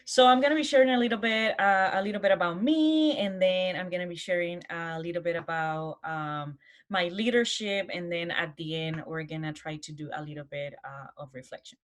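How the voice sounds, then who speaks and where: A woman with a Colombian Spanish accent giving an informal personal presentation, halting, with frequent pauses and restarts. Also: fairly low pitch. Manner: halting, hesitant, many pauses and false starts. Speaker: guest speaker, college program manager.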